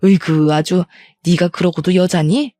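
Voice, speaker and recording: A woman voicing a harsh, nagging middle-aged mother-in-law who belittles with rapid-fire questions. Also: fairly low pitch, steady tone, warm tone, no room sound, clean studio sound, close to an everyday voice. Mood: scolding.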